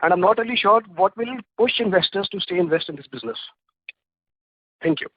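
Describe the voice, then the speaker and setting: A man's voice: sits high, animated, a little fast, breathy edge, no room sound. An Indian-accented man calling into an earnings call as an investor, questioning in a blunt, critical, frustrated manner. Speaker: investor or analyst caller. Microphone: telephone. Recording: tinny, narrow phone line.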